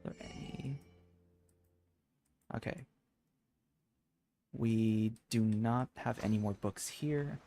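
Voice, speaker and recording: A man doing live game-stream commentary, excitable and chatty with viewers, sometimes reading dialogue aloud. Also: lowish voice, slow, long pauses, a little hiss or hum.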